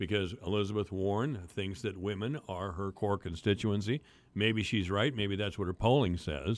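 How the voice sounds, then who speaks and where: A man talks in a normal speaking voice at a moderate pace. His pitch is fairly low, with ordinary pitch variation. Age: 60s. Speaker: radio host. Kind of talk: political commentary.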